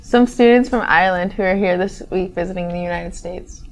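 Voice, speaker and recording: A woman's voice: fairly low pitch, fairly quick, rough recording. A teenage girl co-hosting a school news show, speaking in a casual, chatty way with plenty of fillers. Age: teens. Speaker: student news anchor. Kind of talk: scripted school news banter.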